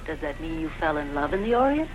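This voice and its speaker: Woman playing a quick-talking, shrewd gypsy queen. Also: sits low, big pitch swings, slight background noise, low-quality recording. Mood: wry, probing. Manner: wry, probing, haggling. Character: shrewd, proud gypsy queen and mother of grown son. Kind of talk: dubbed costume-film acting.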